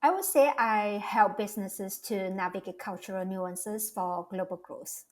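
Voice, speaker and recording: A woman speaks at a middle pitch. She talks as a podcast guest, thinking aloud and circling back to rephrase her ideas. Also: unhurried. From Malaysia. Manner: reflective, speaks in loose restarting phrases. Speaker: guest, cultural strategist. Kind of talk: casual interview talk.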